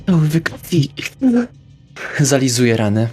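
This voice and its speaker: A man playing a tabletop game, describing his character's actions in the first person, haltingly. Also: mid-range voice, a little mellow, faint music behind. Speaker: player.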